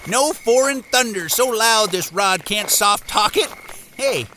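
A man's voice: high-pitched, expressive, a little slow, sharp tone, slight background noise, exaggerated voice, rough recording. A man playing a boastful, lecherous, eccentric lightning-rod peddler who rambles theatrically to himself in an audio drama. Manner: rambling, theatrical rhetorical monologue, chuckling to himself.

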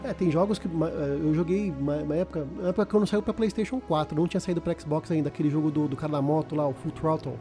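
A man's voice: a little high, very fast, hardly any pauses, over music. A Brazilian man chatting casually as a podcast host, slangy and often repeating words as he searches for phrasing. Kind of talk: casual chat about video games.

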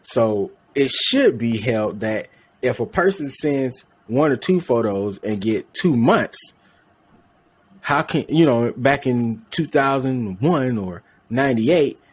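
Husky-voiced man chatting casually. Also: mid-range voice, expressive, slow pace. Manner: rambling, self-correcting, laughs at own slips. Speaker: podcast co-host. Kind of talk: casual chat.

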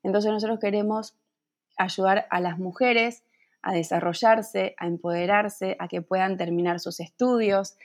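A woman's voice: mid-range voice, fairly even intonation, a little slow. A woman from Santa Fe, Argentina, with an Argentine accent, a gynecologist answering interview questions earnestly and at length. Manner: earnest, explains at length with small restarts. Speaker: guest, gynecologist and entrepreneur.

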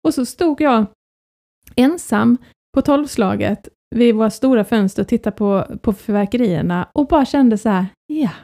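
Gravelly higher-voiced woman. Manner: warm, reflective, supportive listener. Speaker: podcast co-host. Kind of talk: casual chat.

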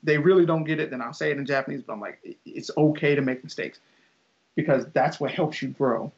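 A man's voice: a little high, fairly quick. A young man, a teacher, chatting casually as an interview guest, rambling with lots of fillers and restarts. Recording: dull lo-fi audio.

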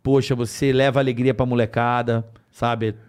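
A middle-aged man with a Brazilian accent hosting a podcast, reading sponsor spots and chatting in a lively, joking way. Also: mid-range voice, normal speed, smooth. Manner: lively, jokey, spells out sponsor names. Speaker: podcast host. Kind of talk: casual podcast chat with ad reads.

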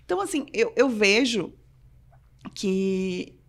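A woman's voice: mid-range voice, slow. A woman from southern Brazil with a Rio Grande do Sul accent, a sports reporter telling stories in a casual podcast interview and acting out the voices of the people she quotes. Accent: Rio Grande do Sul Portuguese. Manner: animated storyteller, acts out quoted voices.

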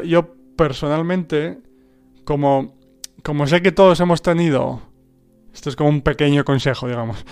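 A man's voice: on the high side, clean tone. A man whose first language is Spanish, hosting a podcast on language learning and talking through his ideas with frequent restarts and rhetorical checks to the listener. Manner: thoughtful, full of restarts and rhetorical "¿no?" tags. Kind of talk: casual spoken monologue.

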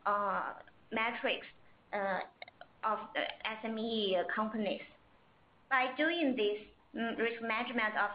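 Higher-voiced woman, dull roomy line. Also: a little hiss or hum. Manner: careful, halting non-native phrasing. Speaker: interpreter. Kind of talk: consecutive interpreting on earnings call.

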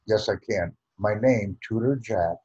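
An American man hosting a video call as a tutor, speaking in a formal, deliberate way with careful enunciation. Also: fairly low pitch, darkish tone, slightly rough, dull audio. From United States. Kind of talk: slow, careful call with a learner. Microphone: computer mic on a video call.

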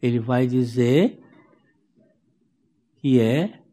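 A man teaching a Bible study sermon, explaining slowly and repeating key phrases for emphasis. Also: mid-range voice, mellow, big-room sound. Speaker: preacher.

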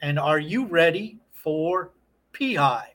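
Man, podcast co-host, fairly high pitch, casual conversational chat. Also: lively intonation, slow pace, a bit bright.

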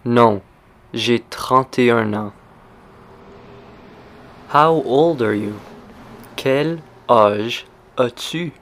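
A man hosting a language lesson, speaking slowly and deliberately and repeating simple phrases for learners. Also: mid-range voice, a bit bright. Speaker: language teacher. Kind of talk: slow scripted language lesson.

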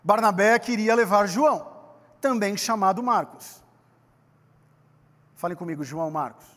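Brief: animated Brazilian preacher, very high voice, long hall reverb, playful and direct with the congregation. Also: male voice. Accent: Brazilian Portuguese. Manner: animated, joking, talks straight to the congregation. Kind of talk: lively sermon.

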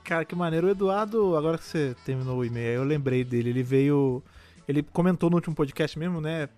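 Man, Brazilian accent, podcast co-host, rapid-fire, enthusiastic, slangy, faint music. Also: a little high, darkish tone. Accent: Brazilian Portuguese. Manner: fast, enthusiastic, peppered with "cara". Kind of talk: casual podcast chat.

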